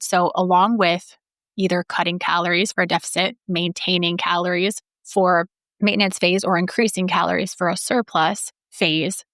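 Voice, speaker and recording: Slightly raspy woman, lowish, chatty. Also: fairly bright tone, no room sound, studio quality. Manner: chatty, rambling, swears freely. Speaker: podcast host and personal trainer. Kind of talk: casual solo podcast talk.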